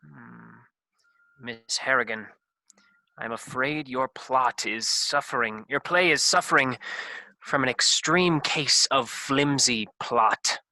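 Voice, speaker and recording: Man playing a sharp-voiced, self-important comedy doctor. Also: medium pitch, slow, no echo, heavily acted, poor audio. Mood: grave concern. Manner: hesitant stammer turning to bossy, melodramatic gravity. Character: flustered, self-important male doctor who operates on scripts. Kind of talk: comedy sketch staged reading.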